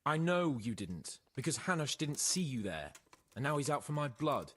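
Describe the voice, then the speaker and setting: A man's voice: medium pitch, sing-song, moderate pace, a bit bright. An actor playing a cocky, teasing young nobleman in a game.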